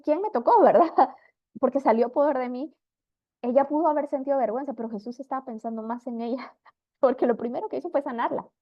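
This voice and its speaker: Woman Bible teacher, fairly high voice, earnest storytelling, dull lo-fi sound. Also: dry recording. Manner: earnest storytelling, acts out quoted figures.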